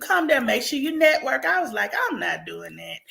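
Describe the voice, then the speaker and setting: Background noise is clearly present. Through it, a woman talks. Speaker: event attendee. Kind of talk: interview. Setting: livestream.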